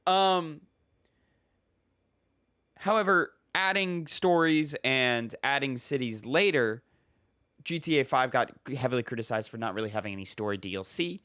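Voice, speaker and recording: A man's voice: medium pitch, moderate pace, long pauses, pushed and bright, clear, resonant tone, no room sound. Podcast host, man, slightly stuffy nose, rambling filler-heavy delivery, dry close-miked sound. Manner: rambling, filler-heavy, reads articles aloud. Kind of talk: casual gaming podcast chat.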